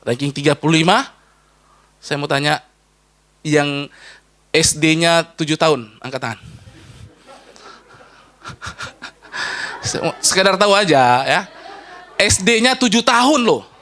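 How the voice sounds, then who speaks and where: A man giving a lively, joking sermon-lecture to a live audience as an Islamic preacher, his voice leaping up and falling low. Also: slow, long pauses. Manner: animated, joking with the audience, rising and dropping sharply.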